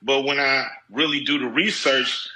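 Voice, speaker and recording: A man reflecting on family history, speaking haltingly with many fillers. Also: medium pitch, pushed and bright, rough recording. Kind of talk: reflective interview talk.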